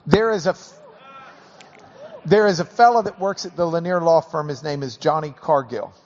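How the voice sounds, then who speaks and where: A man with a Texan accent hosts a live interview before a class, folksy and joking as he slows things down to explain. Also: on the high side, darkish tone. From Texas. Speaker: host. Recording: dull audio with long hall reverb.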